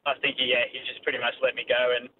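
Phone-in caller: Australian man, rapid casual chat, matey, thin phone line with faint noise. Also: mid-range voice, completely flat delivery. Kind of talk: casual anecdote.

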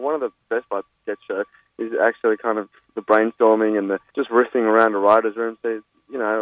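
Fast-talking man on a phone line. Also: medium pitch, no room sound. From Australia. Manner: rapid, stumbling restarts, laughs easily. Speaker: guest comedian. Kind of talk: phone interview, anecdotes.

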